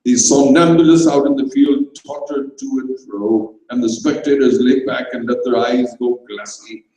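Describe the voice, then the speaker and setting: Man, dramatised storytelling, mellow tone, measured delivery, distant microphone, strong room echo. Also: medium pitch. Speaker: story reader. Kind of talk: dramatised comic short story reading for an audience.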